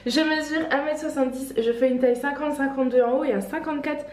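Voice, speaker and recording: Woman, bit stuffy from a cold, rambly chatty shop vlog, slightly high voice, echoey room. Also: steady tone, fast, a little mellow. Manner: chatty, many fillers and restarts, light laughs. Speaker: online clothing shop owner. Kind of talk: casual fashion try-on vlog.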